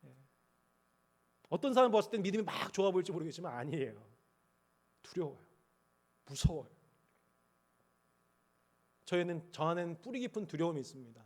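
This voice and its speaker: Pastor type, man with a high voice, fervent pulpit preaching that goes from big cries to near-hushed confession. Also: big pitch swings, fairly quick, pauses often. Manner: impassioned, swinging from loud cries to quiet confession. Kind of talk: sermon. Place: church sanctuary at the pulpit.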